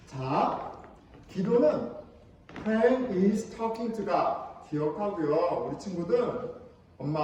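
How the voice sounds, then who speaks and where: A male pastor giving an animated, playful children's sermon in a church, acting out whining kids now and then. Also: high-pitched. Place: church sanctuary. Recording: echoey hall from far off, faint noise.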